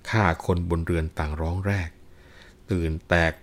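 A man reciting classical narrative verse in a melodic, drawn-out chant, stopping now and then to explain the story in plain speech. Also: low-pitched, steady tone. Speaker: reciter and teacher of classical poetry.

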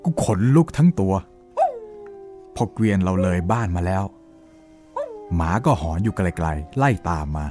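A man voicing a rough-talking village man who tells of a ghostly encounter with blunt, coarse speech. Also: sits low, unhurried, long pauses, over music. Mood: uneasy recounting. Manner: lively storytelling, rising and falling. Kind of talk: Thai audio-drama storytelling.

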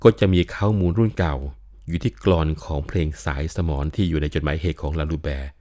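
Deep older man explaining classical literature. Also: brisk, warm tone. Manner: patient, explanatory, with frequent polite particles. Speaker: lecturer on Thai classical literature. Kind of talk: explanatory talk.

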